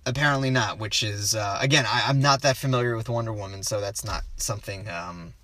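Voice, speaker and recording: Bright, rambling man chatting about films. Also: on the low side, a little fast. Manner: rambling, stops himself often and trails off. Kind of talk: casual film discussion.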